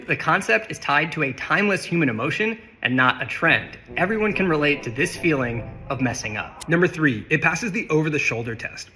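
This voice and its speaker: A man's voice: fairly high pitch, slight background noise. A man delivering a scripted, punchy short-video explainer, laying out points one by one. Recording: loud music under the voice. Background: music.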